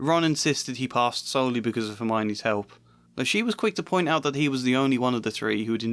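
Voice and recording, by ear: The text is read aloud in a natural voice.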